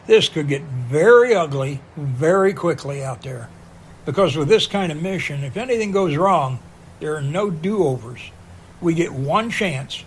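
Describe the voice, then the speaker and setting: A man's voice: a little high, a little hiss or hum. A man in an amateur audio drama playing a frank, inquisitive helicopter rescue pilot in a conversational manner. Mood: grave.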